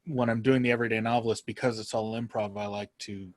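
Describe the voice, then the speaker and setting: Halting, conversational man with dry studio sound. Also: lowish voice, little pitch movement, no room sound. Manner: halting, circles a topic before landing on it. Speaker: podcast guest, writer and podcaster. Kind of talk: casual conversational interview.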